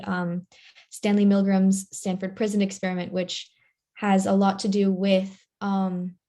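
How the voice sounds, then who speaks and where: A woman's voice: medium pitch, warm tone. A teenage girl from Ecuador, a student on a panel, answering in an earnest, reflective way.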